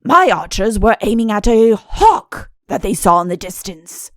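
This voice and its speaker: A woman voicing a pompous, fussy fairy-tale king and doting father in a comic audiobook, with mock-innocent, deliberate phrasing. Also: mid-range voice, sing-song, dry recording, clean studio sound. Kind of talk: audiobook comic character acting.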